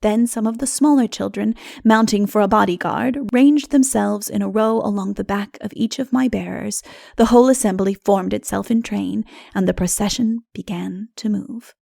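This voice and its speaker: A woman narrating a literary fantasy audiobook in a measured, dramatic storytelling manner. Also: medium pitch, steady tone, vocal fry, dark tone, no echo, clean studio sound.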